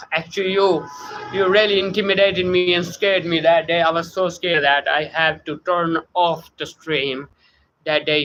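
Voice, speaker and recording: Halting streamer man with South Asian English. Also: fairly high pitch, bright, forceful tone, lo-fi sound, slight background noise. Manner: halting, many fillers, greets viewers by name. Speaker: live streamer. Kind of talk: casual live-stream talk, reading chat. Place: home room.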